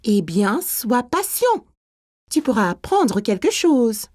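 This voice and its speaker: A woman's voice: a little high, big pitch swings, takes it slowly. A woman playing an encouraging, patient preschool teacher in a children's cartoon. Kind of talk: animated children's cartoon dialogue.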